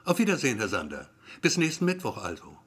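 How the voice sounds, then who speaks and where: A man voicing a brisk, cool female receptionist in white who calls patients in a crisp, formal way. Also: medium pitch, wildly swooping pitch, a bit bright, heavily acted.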